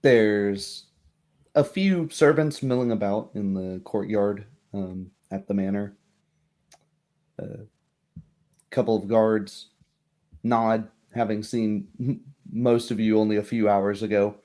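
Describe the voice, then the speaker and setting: A man running a tabletop roleplaying game, describing scenes in a halting, improvised way. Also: fairly low pitch, fairly even intonation, warm tone. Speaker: game master.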